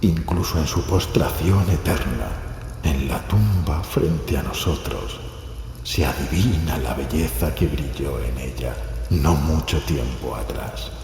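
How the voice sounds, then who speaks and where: An actor playing a haunted gentleman grieving his twin sister in a gothic horror audio drama, murmuring solemnly. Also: a bass voice, gravelly, faint music behind, full character voice. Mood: mournful, murmuring. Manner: slow, murmuring, solemn delivery. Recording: very echoey crypt reverb, noisy ambience.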